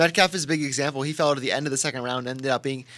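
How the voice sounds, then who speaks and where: A man speaks at a very fast pace in a fairly high voice. His pitch moves up and down in an ordinary way. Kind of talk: radio DJ patter, show intro and sign-off. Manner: bright, energetic, quick-paced announcer.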